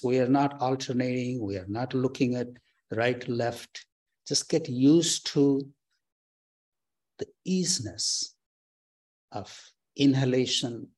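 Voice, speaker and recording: Slow, calm male meditation guide. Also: medium pitch, breathy edge. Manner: slow, calm, soft instructions with long pauses. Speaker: meditation teacher. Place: temple or meditation hall.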